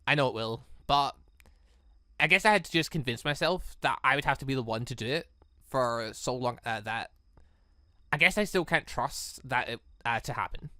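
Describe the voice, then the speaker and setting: A man voicing a subdued, apologetic young female hunter from a visual novel in a quiet, halting delivery. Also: mid-range voice, no room sound, clean studio sound, pitched below the performer's own voice, natural voice. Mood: regretful, resigned.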